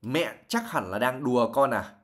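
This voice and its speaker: A man's voice: medium pitch, animated, normal speed. A young Vietnamese man teaching English vocabulary on a live stream. He reads passages from a novel aloud and then explains each word at length, mixing English terms into his talk.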